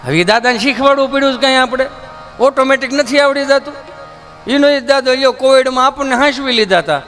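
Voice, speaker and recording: High-voiced Kathiawadi storytelling comedian. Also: male voice, quick pace, a bit bright, faint music behind. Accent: Kathiawadi Gujarati. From Gujarat, India. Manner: folksy, chatty, acts out characters. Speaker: stand-up comedian. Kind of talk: stand-up storytelling.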